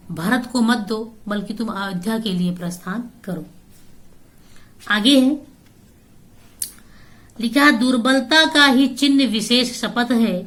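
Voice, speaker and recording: A woman teacher reads lines of a poem aloud and then explains each one in plain words. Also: on the high side. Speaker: Hindi teacher.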